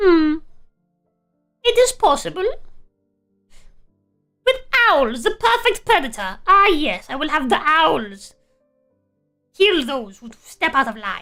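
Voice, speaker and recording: A woman uses a put-on character voice, high in pitch with very wide pitch swings. She talks at a fairly slow pace with long, frequent pauses over music in the background. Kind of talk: regal, pompous. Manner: scheming, imperious.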